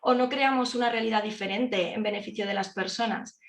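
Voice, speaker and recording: A woman's voice: mid-range voice, steady tone, a little fast, a little hiss or hum. Earnest woman in an echoey room. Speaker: panel guest, project founder.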